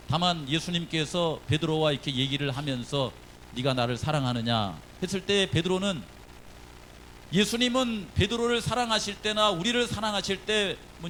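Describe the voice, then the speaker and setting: Male pastor, fairly high-pitched, giving a chatty, question-filled sermon in a church with faint background noise. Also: fairly bright tone, poor audio. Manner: conversational, asks the congregation questions. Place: church sanctuary.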